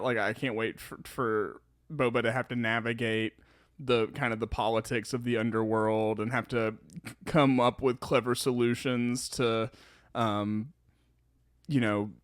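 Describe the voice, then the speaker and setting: A man co-hosting a podcast in casual discussion, thinking aloud in halting, broken phrases. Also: medium pitch, no room sound, clean studio sound. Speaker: podcast co-host.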